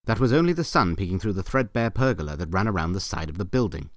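Low-voiced wry male storyteller. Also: expressive, quick pace, heavy background noise. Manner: theatrical, wry, ornate phrasing. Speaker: narrator. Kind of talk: scripted storybook narration.

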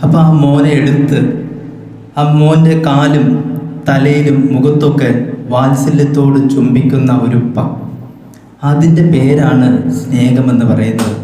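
A man's voice: mid-range voice, fairly even intonation, unhurried, long pauses, dark tone, slight background noise. A man giving a formal public speech at a library event, telling stories in an oratorical way. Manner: oratorical storytelling. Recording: very echoey hall with long reverb.

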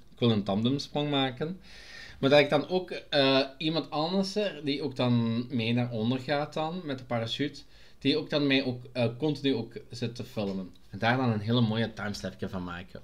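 A man's voice: mid-range voice, a bit bright. A man with a Limburg Flemish accent, casually reading out and answering viewer comments in a vlog, hesitant with frequent filler sounds. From Belgium, Limburg. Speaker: vlogger.

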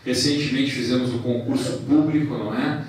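A man in his forties, president of a professional council, gives a formal ceremony speech into a handheld mic in a large hall, listing thanks and points with measured pauses. His voice is medium-pitched with fairly even intonation. It's recorded from a distance in an echoey hall.

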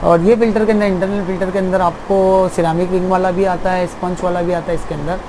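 A man's voice: high-pitched, flat delivery, fairly quick, background noise. A young man who runs an aquarium shop, explaining at length in a casual, repetitive way, seated in his small shop.

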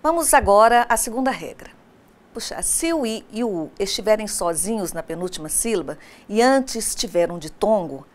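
Brazilian lady teacher doing a recorded online lesson, kinda high voice, keeps quizzing the class. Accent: Brazilian Portuguese. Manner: didactic, addresses students directly with questions. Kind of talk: scripted online lesson narration.

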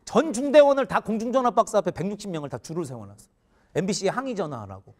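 A man in his forties, a teacher, telling a funny story in an animated way and often laughing mid-sentence. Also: sits high, fast. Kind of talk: humorous storytelling lecture.

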